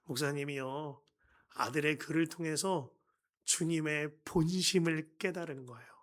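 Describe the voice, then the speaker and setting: Male pastor for a dawn sermon, high and bright voice, animated storyteller who acts out dialogue and drops to a hush. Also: a little slow. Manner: animated storyteller acting out quoted dialogue, shifting between loud and hushed.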